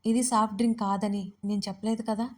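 A woman's voice: medium pitch, little pitch movement, fast, a little mellow, close to an everyday voice. A woman narrator voicing a sly, teasing young husband in an audio story.

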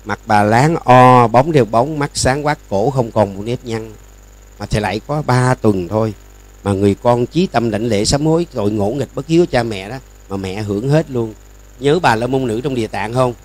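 An older Buddhist monk with a Southern Vietnamese accent gives a sermon. He talks in a folksy storytelling way and acts out the people in his stories. His voice sits at an average pitch for a man. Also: normal speed.

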